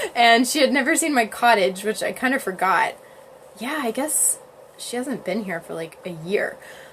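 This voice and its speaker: Over noticeable background noise, a woman speaks loud and at a high pitch. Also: lively intonation, moderate pace. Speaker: yoga teacher and live streamer. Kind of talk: casual live stream chat. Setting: live stream from her cottage.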